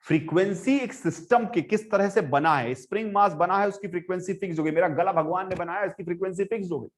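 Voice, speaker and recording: Guy teaching physics, kinda high voice, gets loud then soft, talks right at the class. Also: fast. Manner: animated, swings between soft and loud, addresses students directly. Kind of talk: classroom lecture.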